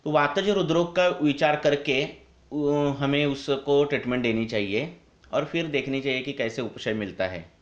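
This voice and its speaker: A man explains remedies at an even, measured pace, pausing often to find his words. His voice sits at an ordinary pitch. It comes through a dull, lo-fi online call with a strong echo ringing around every phrase. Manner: measured, explaining with frequent hesitations. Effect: echoey call audio. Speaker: Ayurvedic doctor answering questions.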